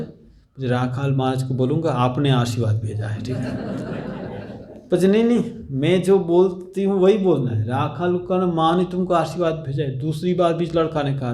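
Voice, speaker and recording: Man, monk, sermon, gentle storytelling, fairly high pitch. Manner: gentle storytelling, often asks listeners "ठीक है ना?" with soft laughs. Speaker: monk giving a religious discourse.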